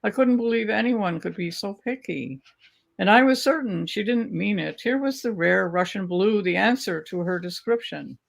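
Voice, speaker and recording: Older woman reading a memoir, gravelly. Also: fairly low pitch. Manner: measured, unhurried storytelling. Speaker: author reading her work. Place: home study lined with bookshelves. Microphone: video call webcam.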